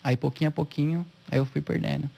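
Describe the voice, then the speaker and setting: Brief: man, 30s, slightly raised pitch, gravelly texture, lively storyteller who acts out what people said. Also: fast talker. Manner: animated, acts out quoted dialogue. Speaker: interviewee, spinal injury patient. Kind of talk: emotional personal storytelling.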